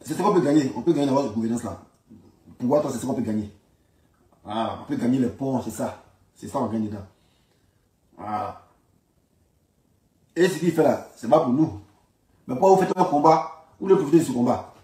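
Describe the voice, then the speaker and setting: Warm in tone and medium in pitch, this Ivorian man talks briskly with frequent pauses. His informal political commentary, in an Ivorian French accent, is insistent and full of emphatic repetition, captured distantly with a roomy echo.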